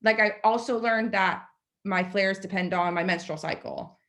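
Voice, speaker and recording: A woman in her late twenties, a podcast guest, telling a story in a chatty, animated way and filling her speech with "like.". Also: mid-range voice, moderate pace. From United States. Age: 20s. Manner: chatty, animated, lots of "like" fillers. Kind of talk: casual storytelling.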